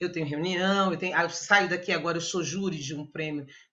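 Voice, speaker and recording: At a fairly quick pace, a woman speaks. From Rio de Janeiro, Brazil. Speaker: actress. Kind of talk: webinar talk. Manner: fast.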